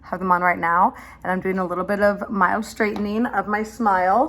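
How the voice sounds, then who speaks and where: A woman speaks in a relaxed yet bright, sharp tone at a medium pitch, keeping her intonation fairly even. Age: adult. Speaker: beauty youtuber. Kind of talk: casual chat. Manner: relaxed, chatty.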